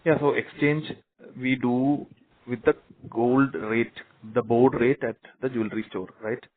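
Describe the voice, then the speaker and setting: A man's voice: mid-range voice, fairly even intonation, a little slow. A man with an Indian accent, a company executive answering investor questions on an earnings conference call. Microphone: conference call phone line. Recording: muffled narrow phone line.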